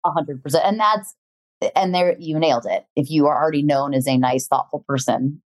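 A woman hosts a podcast interview in a relaxed, agreeable way. Her pitch sits a little low, and she tends to wind into long questions. The recording is close and dry. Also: brisk, no room sound. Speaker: podcast host. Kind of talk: casual interview chat.

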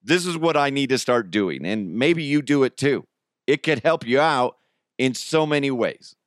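A man's voice: medium pitch, animated, moderate pace, dry recording, clean studio sound. A man with an American accent hosting a podcast, talking in an informal, slangy, conversational way. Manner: chuckles through his own remarks. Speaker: podcast host. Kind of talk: casual solo comedy podcast chat.

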